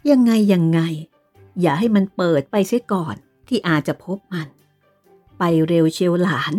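A woman's voice: lowish voice, moderate pace, darkish tone, faint music behind, close to an everyday voice. A woman voicing a stern, commanding aristocratic aunt who gives orders and reproaches in a dramatized novel reading. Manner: authoritative, giving orders and reproaches. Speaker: reader voicing a character.

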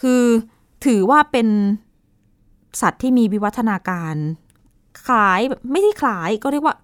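A woman co-host telling a science news story in a relaxed, chatty radio conversation, with playful asides. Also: a little slow, no room sound, clean studio sound. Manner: chatty, explains with playful asides and pitch swoops.

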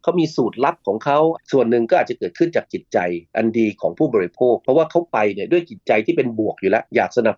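A middle-aged man speaks as a guest expert on a talk show, explaining points at length and quickly, with polite particles. The recording is dry and a little dull. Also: medium pitch, a little mellow, dry recording.

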